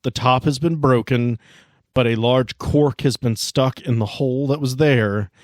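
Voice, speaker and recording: A man's voice: mid-range voice, measured pace, dry recording, clean studio sound. A man narrating as game master of a tabletop game, describing scenes casually with asides and restarts.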